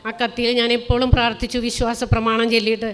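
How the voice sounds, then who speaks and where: A middle-aged woman from Kerala giving a spoken personal testimony, telling it plainly and earnestly, with many pauses and restarts. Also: fairly high pitch, monotone, fairly bright tone, smooth. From Kerala, India. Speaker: testimony speaker.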